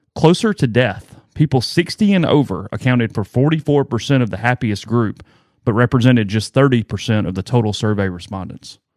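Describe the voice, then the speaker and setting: A man talks at a medium pitch and a fairly quick pace in a normal speaking voice, with ordinary pitch variation. The sound is dry and close with no echo, over a quiet background. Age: 30s. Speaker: sports podcast co-host. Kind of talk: casual chat. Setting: studio.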